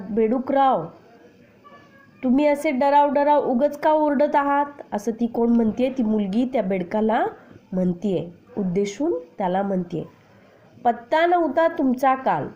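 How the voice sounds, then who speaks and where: Lady teacher going thru a kids poem real slow, asks the class questions, dull lo-fi sound. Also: sits high, mellow. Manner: recites poem lines slowly, then explains each word with questions to pupils. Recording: dull lo-fi recording.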